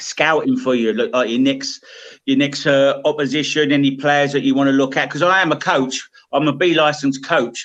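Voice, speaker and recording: Speaking at a moderate pace with a strong Southern English accent, this man has a fairly high pitch and very even loudness. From south London (Sutton). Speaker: football commentator and coach. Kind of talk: phone-in chat. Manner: enthusiastic.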